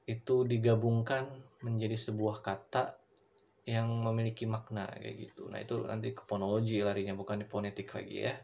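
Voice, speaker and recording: A man's voice: on the low side, vocal fry, a little mellow. A young adult man with an Indonesian accent giving a casual recorded lesson, answering students' questions and moving between English and Indonesian with plenty of fillers. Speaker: teacher.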